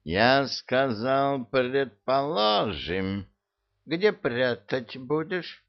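A man voicing a drunk, boastful immortal male villain in a storybook reading, with a high, excited, bossy delivery. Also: very slow, vocal fry, dull audio, exaggerated voice. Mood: scheming. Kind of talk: audiobook character voice.

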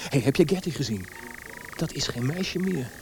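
Higher-voiced young officer. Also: male voice, lively intonation, normal speed, a little mellow, slight background noise. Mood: frank, doubtful. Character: frank, admiring young army officer on leave. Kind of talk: Dutch radio play acting.

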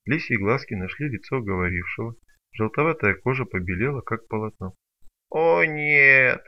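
Guy reading an audiobook, lively swings in pitch, muffled lo-fi sound. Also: fairly quick. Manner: expressive storytelling. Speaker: narrator. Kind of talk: audiobook narration. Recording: dull lo-fi recording.

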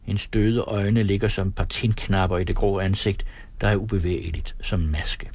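A man reading a novel aloud in steady, descriptive scripted narration. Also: low-pitched, breathy edge. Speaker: audiobook narrator.

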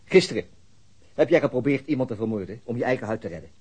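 A stern detective, voiced by a man in a radio play, with a husky voice at a middle pitch and brisk delivery. His questions are short and cool, and he is unmoved. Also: expressive, darkish tone. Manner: curt, cold, questioning. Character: stern male police detective, cool and controlled. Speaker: police detective. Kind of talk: radio drama acting.

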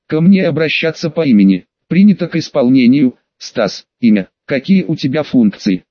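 A man with a somewhat raised voice reads an audiobook in a dry, close-miked studio. The sound is a little dull and muffled. He narrates steadily and lowers his voice slightly for the dialogue. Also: no room sound. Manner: steady reading, drops lower for characters' lines.

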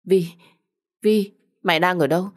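A desperate young woman, played by a female storyteller, speaks in a slightly low voice for an audio story. She is urgent and agitated, swinging between pleading and furious threats against the friend who wronged her. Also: lively intonation, a little fast. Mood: frantic pleading.

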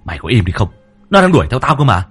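A man voicing a jumpy young male sorcerer who snaps back irritably, close to his own husky voice. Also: medium pitch, sing-song, rapid-fire, fairly bright tone, faint music behind, exaggerated voice. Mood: snapping.

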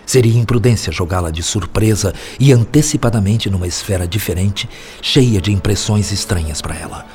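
An actor playing a wise, patient spirit mentor in a radio drama, speaking in a measured, instructive, solemn way. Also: male voice, lowish voice, darkish tone, slight background noise, close to an everyday voice. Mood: solemn instruction.

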